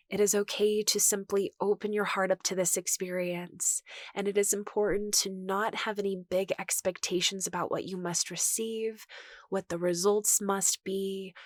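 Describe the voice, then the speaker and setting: Gentle woman guiding meditation, close dry sound. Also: medium pitch, no room sound. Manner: gentle, reassuring, unhurried. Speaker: yoga and meditation teacher. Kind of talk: guided meditation instruction.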